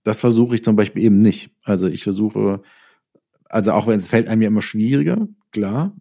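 A middle-aged man with a low, very mellow voice chats as an interview guest. He speaks in a reflective, conversational way, working through his reasoning and slipping into quoted self-talk. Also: brisk, creaky.

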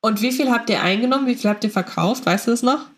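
A woman's voice: on the high side, fast. Female podcast host asking casual questions.

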